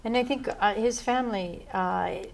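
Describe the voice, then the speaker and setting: A woman's voice: on the high side, normal speed. American woman chatting over background noise. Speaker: folk musician, music educator, guest. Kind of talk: casual interview talk. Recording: clear background ambient noise.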